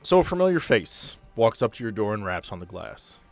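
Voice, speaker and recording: A man with a low-pitched voice narrates a tabletop roleplaying game as its game master, slipping into casual chat. Music plays faintly behind him. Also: sing-song, brisk.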